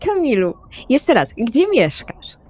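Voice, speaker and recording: A woman's voice: on the high side, huge pitch swings, slow, darkish tone, heavily acted. A woman voicing a blunt, bossy supernatural female character in a tabletop game, curt and dry. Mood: stern.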